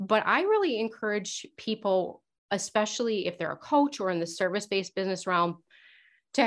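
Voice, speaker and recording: A woman has an ordinary speaking voice at a medium pitch, with lively intonation. Her pace is moderate, and the recording is very clean with a silent background. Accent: American. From United States. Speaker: copywriting and design consultant. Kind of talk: interview.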